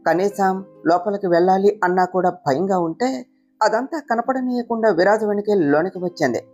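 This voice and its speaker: A woman's voice: mid-range voice, moderate pace. A woman narrating a serialized romance story, voicing every character in her own voice. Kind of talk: reading a romance story aloud. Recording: soft music behind.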